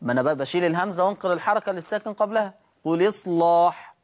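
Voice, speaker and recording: A man teaching Quran recitation rules on a TV program. He asks rhetorical questions, answers them, and chants the example words slowly. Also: sits high, expressive. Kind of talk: televised recitation lesson.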